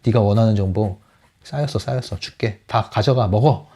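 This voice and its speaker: A tempting, coaxing pendulum spirit, as a lecturer puts it on. The voice is low, soft and mellow, and it keeps pushing its offers. This is a man doing the voice during a spoken lesson. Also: brisk.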